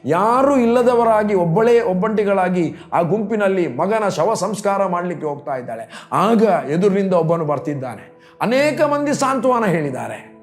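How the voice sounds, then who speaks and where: A man's voice: high-pitched, darkish tone. A man preaching a sermon as a pastor, telling a story and acting out quoted pleas.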